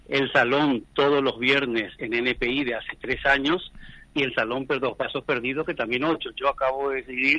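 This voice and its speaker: At a moderate pace, a man talks in a bright, sharp tone with monotone, flat intonation. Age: 60s. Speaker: broadcaster. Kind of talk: interview.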